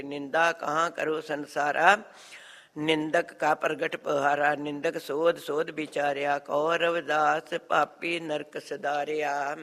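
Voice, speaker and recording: A man recites sacred verse at an unhurried pace, his fairly high voice held in a narrow, even line. Each phrase rings out into a long reverberant hall. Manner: measured, flat chanting cadence. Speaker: scripture reciter.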